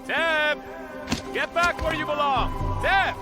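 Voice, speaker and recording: An actor playing a sharp, imperious tribal elder who scolds a boy and orders him about in a video game. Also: very high voice, takes it slowly. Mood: angry, scolding. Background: music.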